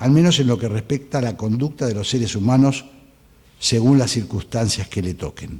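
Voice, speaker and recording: Somewhat breathy, a man talks at medium pitch. His pace is moderate. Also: ordinary pitch variation. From Argentina. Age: 70s. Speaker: conference speaker, former political activist. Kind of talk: prepared talk read aloud. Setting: conference hall.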